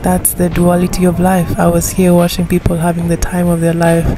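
A young woman from Kenya narrating a casual travel vlog in a relaxed, musing way, with many fillers. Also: lowish voice, brisk. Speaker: vlogger. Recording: music playing behind the voice.

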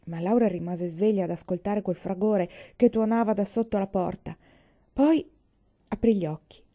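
A woman narrating a storybook aloud in an expressive, vivid reading. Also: mid-range voice, normal speed, lo-fi sound.

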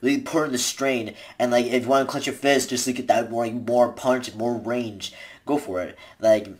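A young man in his twenties talks straight into a desk webcam in a small bedroom, giving casual tips. His delivery rambles, with constant restarts and filler words, and he gestures with both hands as he talks. His voice sits at an ordinary middle pitch for a man. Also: fairly even intonation, moderate pace. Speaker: vlogger giving voice acting tips. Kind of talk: casual advice talk to camera. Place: small bedroom indoors, seated in a gaming chair. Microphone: webcam at desk distance.

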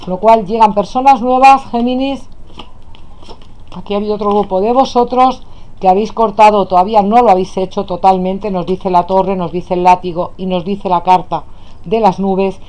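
A Spain Spanish accent colors this woman's mellow, medium-pitched voice, steady in tone and moderate in pace. Reading tarot for her audience, she turns cards and fondly calls them "my loves." The setting is an indoor table, hands only on camera.

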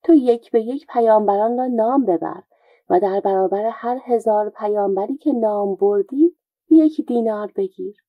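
A woman's voice: mid-range voice, no room sound, phone-quality sound, natural voice. A woman voicing a proud, stern male governor who speaks in a commanding, indignant way. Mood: measured.

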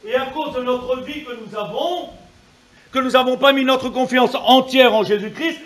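A man's voice: high voice, fairly bright tone. A man preaching an evangelical sermon with fervor, calling on the congregation to answer amen. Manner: fervent preaching, calls on the congregation for amens.

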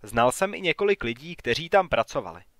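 Guy reading a shaken wary man, halting and careful, audiobook, dry close sound. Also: a little high, sing-song, no echo. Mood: uneasy. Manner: halting, cautious. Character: shaken, wary man returning to his hometown.

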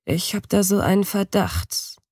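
A lazy, skeptical young man drawling out his doubts in an unhurried, level voice, as a woman reads him in an audiobook. The studio is dry and close. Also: medium pitch, sing-song, darkish tone, husky, no room sound. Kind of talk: audiobook dialogue reading.

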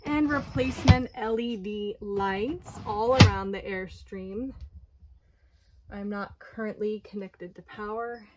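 Slow, even-voiced woman touring her camper. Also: mid-range voice, background noise. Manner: unhurried, plainly descriptive, pointing things out. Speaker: owner giving a home tour. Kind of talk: walkthrough home tour. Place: inside a small camper trailer.

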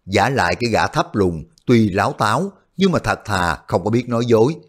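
A male storyteller reading a wuxia novel aloud. His delivery is animated, with a wide, lively pitch that lifts the scenes. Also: brisk. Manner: expressive, animated. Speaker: audiobook narrator. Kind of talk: scripted storytelling narration.

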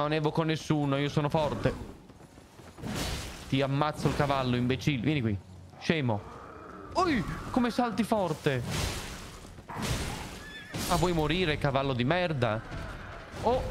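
Excitable swearing young man gaming. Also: a little high, background noise. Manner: excitable, swears and yells insults at enemies. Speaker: streamer. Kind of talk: live gameplay commentary. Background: game music.

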